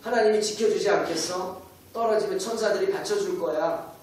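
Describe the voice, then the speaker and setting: A man's voice: high-pitched, a little fast, a little mellow, natural voice. A man voicing a scornful male devil who mocks with taunting questions, in a sermon. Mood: mocking. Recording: echoey church hall, mic far off.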